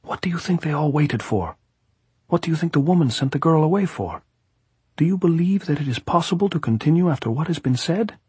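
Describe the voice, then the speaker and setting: A man's voice: on the high side, expressive, a little fast, warm tone, slightly rough, dry recording, voice pushed up. A man voicing a tipsy, mocking gypsy guerrilla in an audiobook novel, urging insistently in stilted old-fashioned phrases. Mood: urgent, questioning.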